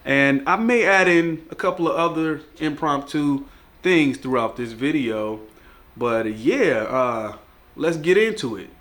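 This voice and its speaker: A man's voice: on the high side, expressive, measured pace, a bit bright. A young man with a congested voice, recovering from a cold, chatting casually to his regular viewers in a laid-back, joking way. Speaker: plant vlogger. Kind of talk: casual video chat about plant care.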